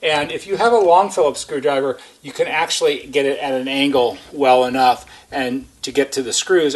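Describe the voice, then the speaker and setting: A man giving a hands-on how-to demonstration as a repair technician, methodical and step-by-step, stressing key points. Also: mid-range voice.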